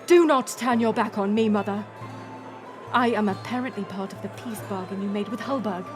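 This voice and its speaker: A woman's voice: medium pitch, moderate pace, close to an everyday voice. A woman playing a fiery, defiant young princess in a dramatic audio roleplay, indignant and bitingly sarcastic. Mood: furious, indignant. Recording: music and crowd murmur behind. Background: music and banquet crowd.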